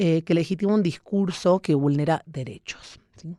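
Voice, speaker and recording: Dark and mellow in tone, a woman speaks with an Argentine accent and lively intonation. The sound is dry and close with no echo, over a quiet background. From Argentina. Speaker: academic in international relations. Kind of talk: radio interview.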